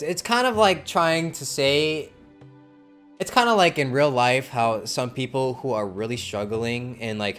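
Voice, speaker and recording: A man's voice: medium pitch, a bit bright. A man streaming a game, reacting in a laid-back, rambling way with lots of "like"s. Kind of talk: casual live-stream reaction.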